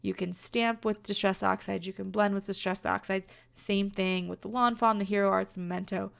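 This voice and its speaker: A young woman talks in a relaxed, rambling way, full of "like" and "um." Her voice sounds rough from being sick and has a heavy gravelly fry. Her pitch sits in a middle range. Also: normal speed. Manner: chatty, rambling, many fillers. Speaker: card-making vlogger. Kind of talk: casual crafting voice-over.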